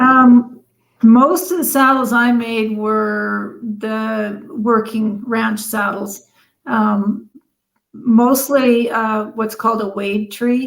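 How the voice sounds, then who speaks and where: Very slow speech from a woman with a western Canadian accent, fairly high pitch and ordinary pitch variation. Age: 60s. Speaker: mounted shooter and leatherworker. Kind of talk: podcast interview. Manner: halting, many fillers.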